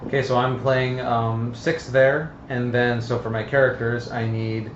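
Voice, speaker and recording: A man casually explains rules while playing a tabletop game, thinking aloud in a halting way. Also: mid-range voice, level tone, over a noisy crowd. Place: room, live stream of a group game. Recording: roomy, dull, lo-fi with faint noise.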